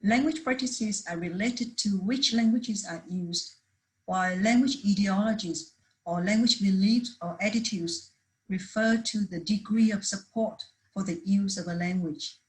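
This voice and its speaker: A woman's voice: mid-range voice, a little slow, poor audio. A woman presenting a research paper at a conference, reading steadily from prepared slides with the odd restart.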